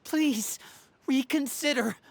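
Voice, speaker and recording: Pleading young boy in a game, highish voice. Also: slow pace, creaky, slight background noise, full character voice. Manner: earnest, pleading. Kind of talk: game cutscene voice acting.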